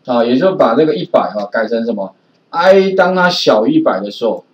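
Fairly quick and animated, a man with a medium-pitched voice teaches programming in a recorded class, chatting along with many filler particles in a Taiwanese Mandarin accent. The classroom audio is roomy, distant and dull.

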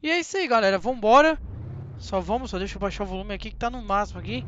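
A young man with a Brazilian Portuguese accent giving chatty, excitable commentary on a driving game straight to his viewers. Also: high voice, fast, muffled recording, background noise. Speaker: gaming channel host. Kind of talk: casual gameplay commentary.

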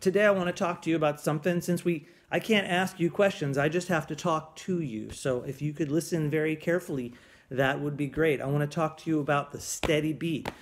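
Gentle man teaching music to little kids. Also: fairly high pitch. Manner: gentle, encouraging, talks slowly to young children. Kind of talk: children's music lesson. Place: at home on a bed.

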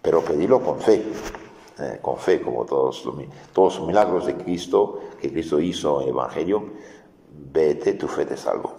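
A low, dark-toned man teaches catechism to adults. He explains patiently and circles back to repeat his main points. His voice rings out into a large hall with a long, roomy reverb. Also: lively intonation, moderate pace. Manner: explanatory, repeats key phrases, many restarts.

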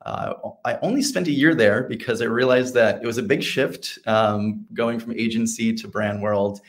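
A man in his thirties, a guest on a video call, telling his career story in a relaxed way with many ums and restarts. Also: lowish voice. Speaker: guest speaker, creative leader. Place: home office with bookshelves, virtual background.

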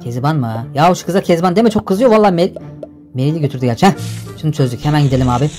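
A young man giving energetic, exclamatory gameplay commentary for a video. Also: a little high, rapid-fire, soft background music. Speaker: gaming YouTuber. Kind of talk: excited game commentary.

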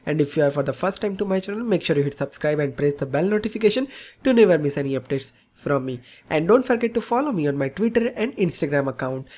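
A man in his thirties with an Indian accent, hosting a tech tutorial and explaining software step by step in an instructional way. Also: on the high side, lively intonation, fast talker. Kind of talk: explanatory software walkthrough narration.

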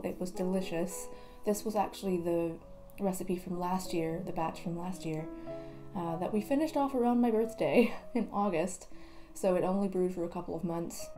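Vlog host, woman, mid-pitch, groggy morning voice, chatty, music under. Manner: chatty, grateful, a little rambling. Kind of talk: casual talk to camera. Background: soft background music.

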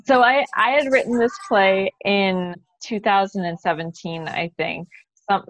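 A woman's voice: mid-range voice, fairly even intonation, unhurried, slight background noise, rough recording. A young woman speaking as a guest in an informal, candid, conversational way over a video call. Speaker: playwright, guest. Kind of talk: casual conversational explanation. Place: living room at home. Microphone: computer mic on a video call.

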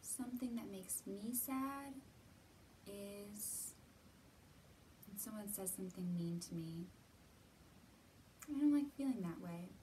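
A woman in her thirties gently guiding young children through a lesson, asking simple encouraging questions and pausing often. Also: medium pitch. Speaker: children's storytime host. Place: indoor library room with bookshelves. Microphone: camera a few feet away. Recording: distant mic, roomy ambient noise.

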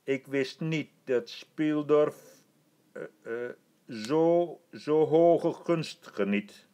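A flustered, stammering father, as a man reads him aloud in a storybook, tripping over his words and raising his voice nervously. His speech is halting and anxious. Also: a little high, dark tone, pitched above the performer's own voice. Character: flustered middle-aged father, stammering before the emperor. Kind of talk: audiobook reading.

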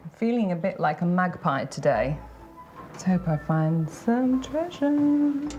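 A woman in her forties, an antiques expert presenting to camera with animated, theatrical storytelling inside a large shop. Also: on the low side, unhurried, highs cut off, soft background music.

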